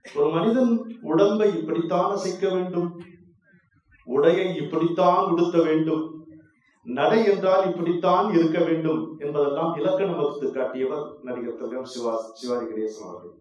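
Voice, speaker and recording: A man delivers a formal stage speech in an emphatic, oratorical manner, his fairly high voice swelling into loud, declaiming passages. He sounds some distance from the microphone, with the roomy echo of an event hall around him. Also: moderate pace, lo-fi sound. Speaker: speaker at an inauguration event. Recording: echoey hall, voice far from mic.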